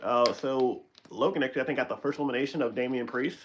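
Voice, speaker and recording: A man hosting a live stream in casual chat, animated and rambling, often correcting himself and laughing. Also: medium pitch, fast talker, a little hiss or hum.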